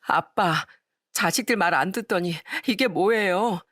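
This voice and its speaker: A woman's voice: medium pitch, a little slow, fairly bright tone, no echo, clean studio sound. A woman voicing a scornful fierce sister-in-law. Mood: reproachful. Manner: scolding, scornful.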